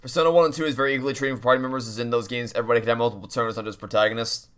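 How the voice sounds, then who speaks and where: A man's voice: medium pitch, fairly even intonation, very fast, a bit bright, smooth. A young man giving casual, opinionated, rambling commentary as he plays through a video game. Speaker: video game playthrough streamer. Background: game music.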